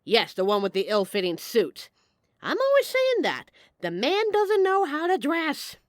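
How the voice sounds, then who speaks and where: A woman's voice: high-pitched, wildly swooping pitch, measured pace, no room sound, studio quality, heavily acted. A woman playing a brash, charming, apologetic mafia boss in an audio roleplay, with a wry, flirtatious and theatrical delivery. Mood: indignant, sarcastic. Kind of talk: audio roleplay acting addressed to the listener.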